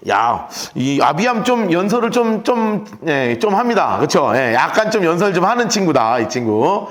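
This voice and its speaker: A man teaching a Bible class, urging his listeners to mark their pages as he goes. His voice sits high and swings widely as he dramatizes each passage. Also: moderate pace. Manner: animated, coaxing the class to take notes. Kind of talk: Bible lecture.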